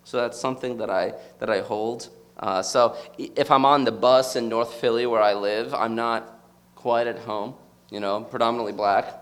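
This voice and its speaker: A man's voice: mid-range voice, steady tone, moderate pace. Reflective American man addressing an audience. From United States. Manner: reflective, searching for words. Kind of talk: personal reflective talk. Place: in front of a live audience.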